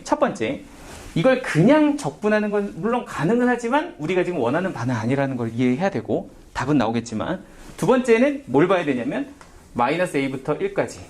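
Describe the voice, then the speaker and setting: A man's voice: on the high side, big pitch swings, a little fast. A man teaching a math lesson in a casual, questioning way, often asking and answering himself. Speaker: math tutor. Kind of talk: whiteboard math lecture.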